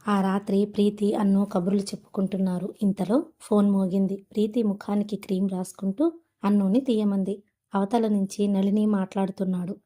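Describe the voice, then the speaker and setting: A woman reads a novel aloud as narrator, in a steady, even storytelling manner. Her voice is mellow and warm, pitched in a middle range. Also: normal speed. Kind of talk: audiobook novel reading.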